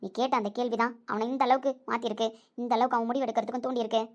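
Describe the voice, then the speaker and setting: A woman's voice: a little high, little pitch movement, very fast. A woman speaking dramatic family dialogue in an emotional, pleading way.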